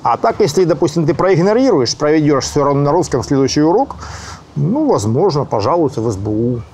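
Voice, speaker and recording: A man's voice: on the high side, very animated, a little fast, a little mellow. Guy talking in a yard, swoopy voice, bit of background noise. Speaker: interviewee. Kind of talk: explaining, conversational. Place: outdoor yard.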